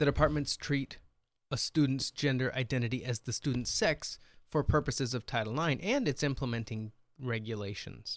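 Recorded very cleanly against a silent background with a dry, close sound with no echo, a man in a plain, everyday voice speaks at a moderate pace with a medium pitch and ordinary pitch variation. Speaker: podcast host. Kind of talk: casual chat.

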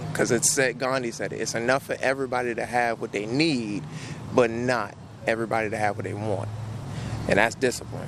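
Fairly quick and fairly even in intonation, a man's medium-pitched voice comes through noticeable background noise. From Richmond, Virginia. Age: 20s. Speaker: protester. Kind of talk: casual interview. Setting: outdoors.

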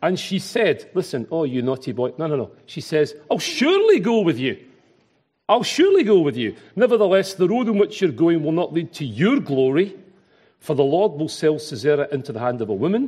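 Talking at a fairly quick pace, a man with a Glaswegian accent uses a high pitch and very wide pitch swings. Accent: Glaswegian Scottish. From Scotland, Glasgow. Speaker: pastor. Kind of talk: sermon. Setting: church.

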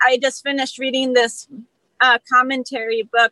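A woman speaks in a raised, projected voice with a high pitch and a bright, sharp tone, her pitch varying in an ordinary way over a dry, close sound with no echo. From Costa Rica. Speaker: ministry leader. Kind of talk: casual roundtable conversation.

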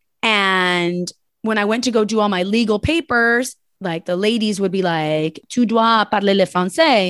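In a Spanish accent, a woman speaks at a fairly slow pace in a fairly high voice, with a dry, close sound and no echo. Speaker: language teacher. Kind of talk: interview. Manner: halting when speaking French.

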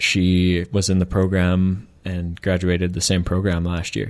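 Very slowly and in a flat monotone, a man with an American accent speaks in a very deep, low pitch. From Michigan. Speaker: graduate art student. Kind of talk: interview.

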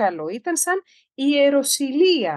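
A woman speaks in a high voice with very wide pitch swings. The sound is dry and close, with no echo. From Greece, Athens. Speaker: Greek language teacher. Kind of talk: storytelling.

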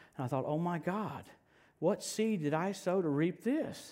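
With a Southern US accent, a man speaks at a high pitch in an animated tone with lively intonation. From US South, northern Louisiana. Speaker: guest preacher. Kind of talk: sermon. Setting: church with congregation.

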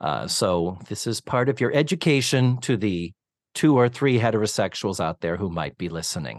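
In an American accent, a man talks at a moderate pace with a fairly low pitch and vocal fry. His pitch swings very widely against a quiet background. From Massachusetts. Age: 50s. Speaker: podcast host, actor. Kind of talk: casual chat. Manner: talkative, animated.

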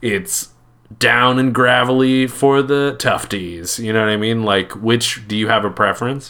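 A man speaks in a bright, sharp tone at medium pitch. His pace is fairly slow, with ordinary pitch variation. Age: 20s. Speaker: podcast co-host. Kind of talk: casual chat.

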